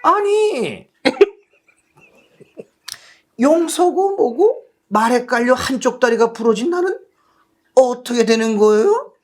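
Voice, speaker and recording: A man's voice: extremely high pitch, very animated, takes it slowly, pauses often, voice pushed up, exaggerated voice. A man voicing a meek, hapless man from a funeral procession, plaintive and whining, in a storybook tale. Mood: pained, aggrieved.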